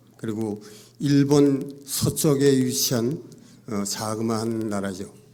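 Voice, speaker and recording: A man talks with ordinary pitch variation at a moderate pace, and audible room echo follows his voice. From South Korea. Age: old. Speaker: volleyball coach, hall of fame inductee. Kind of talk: acceptance speech. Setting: banquet hall with audience.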